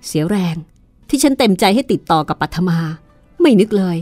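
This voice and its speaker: A woman's voice: mid-range voice, sing-song, fairly quick, a little mellow, no room sound, faint music behind. A woman doing a furious young hero. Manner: furious, commanding. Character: angry young man defending his sister.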